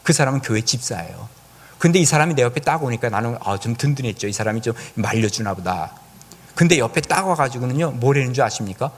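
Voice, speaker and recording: Animated male pastor telling a story. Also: medium pitch, fast. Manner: lively storytelling with acted-out quotes and questions to the congregation. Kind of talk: sermon. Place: church.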